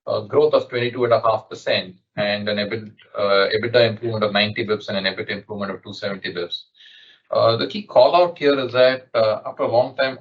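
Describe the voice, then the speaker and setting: A man presenting financial results on an earnings call in a brisk, businesslike, halting way. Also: lowish voice. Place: conference call. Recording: dull, lo-fi conference call audio.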